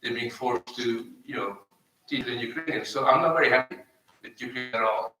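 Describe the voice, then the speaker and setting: A man from Hungary, arguing as a panelist in deliberate phrases that often restart. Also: medium pitch, bright, forceful tone. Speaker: panel speaker. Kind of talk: argumentative panel remarks. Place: live panel event in an echoey room. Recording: very echoey room, distant microphone.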